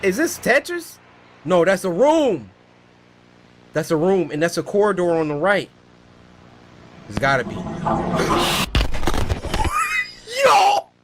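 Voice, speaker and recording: Scared, jumpy horror streamer, animated high-pitched man. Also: slow, pauses often, a little hiss or hum, rough recording. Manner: scared, jumpy, exclaiming and protesting. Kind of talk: live reaction commentary to horror shorts, casual slang.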